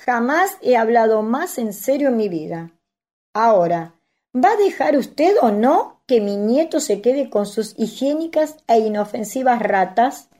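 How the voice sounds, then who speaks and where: Feisty grandmother, firm, Rioplatense accent, actress, high but mellow. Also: very animated, measured pace. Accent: Rioplatense Spanish. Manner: firm and sharp-tongued.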